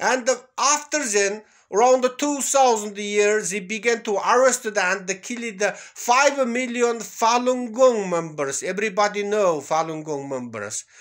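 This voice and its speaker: Speaking at a fairly slow pace with a non-native accent, a man uses lively intonation at a high pitch. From Xinjiang, China (Kazakh). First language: Kazakh. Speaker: human rights activist. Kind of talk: radio interview. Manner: halting.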